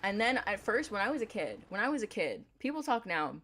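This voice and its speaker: A young woman with a deep voice chatting casually on a gaming livestream, rambling in a playful, laid-back way. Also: very animated, a little fast, a bit bright, soft background music. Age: young adult.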